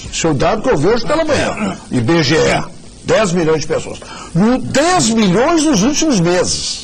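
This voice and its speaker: A man's high-pitched voice at a moderate pace, with very wide pitch swings and very even loudness, plus audible room echo and noticeable background noise. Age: 60s. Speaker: TV debate panelist, professor. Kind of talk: televised panel debate.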